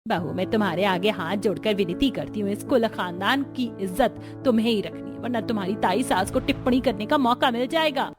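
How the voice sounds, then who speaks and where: A woman's voice: mid-range voice, a little fast, few pauses, over music, natural voice. A woman voicing a stern, traditional middle-aged mother-in-law who speaks firmly and with dignity. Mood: determined. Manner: firm and dignified.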